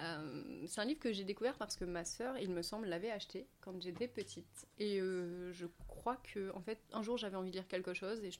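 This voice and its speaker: A woman with an ordinary speaking voice talks at a medium pitch and a moderate pace, with ordinary pitch variation. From Haute-Savoie, France. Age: 20s. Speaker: lawyer. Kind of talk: casual chat.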